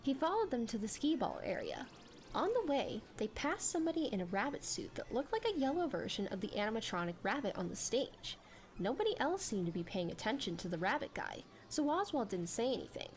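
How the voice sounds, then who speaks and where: A woman's voice: on the high side, very animated, a little fast, a little hiss or hum. A woman reading a story as a scripted, dramatic narration.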